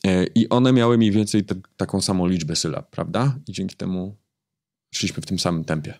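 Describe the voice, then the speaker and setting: A man, a book editor, explaining his craft thoughtfully in an interview, pausing often with fillers. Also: deep voice, a little mellow, no room sound, studio quality. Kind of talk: interview conversation.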